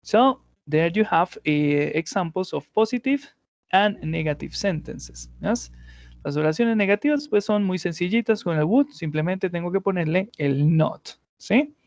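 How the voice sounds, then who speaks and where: High-voiced gravelly male teacher. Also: animated, unhurried, no echo, muffled recording. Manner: patient, explains step by step and keeps checking with "¿sí?". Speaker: English teacher. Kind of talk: explaining grammar in an online class.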